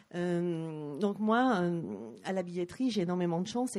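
This is a normal speaking voice. It moves along at a moderate pace. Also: woman. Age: 50s. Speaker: actress and producer. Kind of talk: panel discussion.

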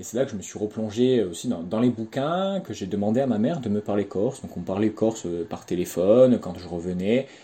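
In a plain, everyday voice, a man speaks at a fairly low pitch with ordinary pitch variation and big swings in loudness. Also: fairly quick pace. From Corsica, Borgo. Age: 20s. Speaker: student. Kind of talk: testimony.

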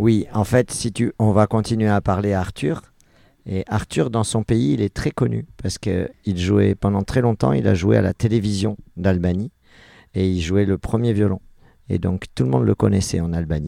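A man with a very deep, low pitch and a dark, mellow tone speaks with lively intonation. The recording is very clean, with a silent background. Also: moderate pace. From France. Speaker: clarinetist. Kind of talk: interview.

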